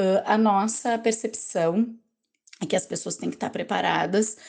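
A woman talks in a plain, everyday voice at a moderate pace with ordinary pitch variation. The background is quiet. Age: 40s. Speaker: entrepreneur, speech therapist by training. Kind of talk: recorded testimony.

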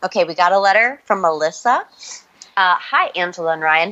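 A woman with an American accent and an unremarkable speaking voice, medium in pitch, with ordinary pitch variation at a moderate pace. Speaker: podcast co-host. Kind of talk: casual chat.

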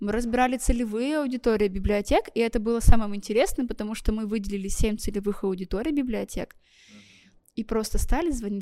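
Speaking in a normal speaking voice, a woman goes at a fairly quick pace with a fairly high pitch and ordinary pitch variation. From Amur Oblast, Russia. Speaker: festival participant, library employee. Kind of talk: casual interview chat.

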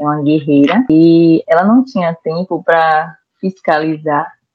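A woman talks with a Bahian accent and lively intonation. Her pitch is fairly low. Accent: Bahian Brazilian Portuguese. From Brazil, Bahia (Salvador). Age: 30s. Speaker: traveler. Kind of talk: casual chat.

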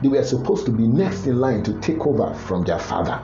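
A man speaks against noticeable background noise. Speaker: podcast Bible teacher. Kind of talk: sermon. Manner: preachy, emphatic with repetitions.

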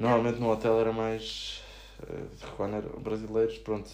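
A man speaks with a European Portuguese accent, and audible room echo surrounds his voice. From Portugal. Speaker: podcast co-host. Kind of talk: casual chat.

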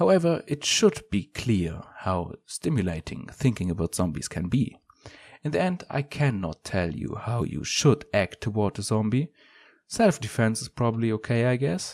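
A man with a German accent and medium pitch swings very widely in pitch, captured with a dry, close sound with no echo on a very clean recording with a silent background. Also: moderate pace. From Germany. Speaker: podcast host. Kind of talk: philosophy lecture.

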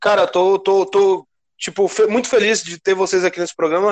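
This man has a high pitch and fairly even intonation at a moderate pace. The sound is dry and close, with no echo. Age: 20s. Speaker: podcast host. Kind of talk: casual chat; scripted narration.

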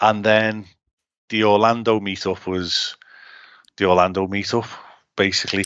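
A man with a Liverpool accent speaks at a moderate pace and fairly low pitch, in a monotone, flat intonation with long, frequent pauses. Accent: Liverpool (Scouse). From Liverpool, England. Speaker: podcast owner. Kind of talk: casual banter chat.

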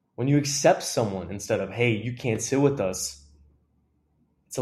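A somewhat breathy male voice at medium pitch, moderate pace and ordinary pitch variation. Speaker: podcast host. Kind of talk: casual monologue. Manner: animated.

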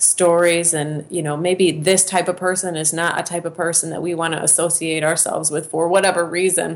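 A woman with an American accent uses a normal speaking voice, fairly low in pitch with fairly even intonation. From Michigan. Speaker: novelist. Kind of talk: interview conversation.

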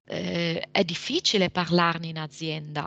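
Fairly low in pitch, a woman's voice has a bright, sharp tone. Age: 50s. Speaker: yoga teacher. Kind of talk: interview.

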